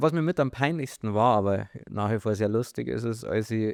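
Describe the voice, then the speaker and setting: In a dry, close sound with no echo, a man with a plain, everyday voice speaks at a medium pitch and a moderate pace. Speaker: musician. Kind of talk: casual podcast conversation.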